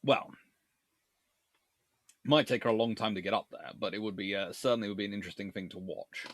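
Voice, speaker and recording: A man's voice: on the low side, fairly quick, dry recording. A man hosting a live history chat, answering viewers in a rambling, discursive way like a lecturer thinking aloud.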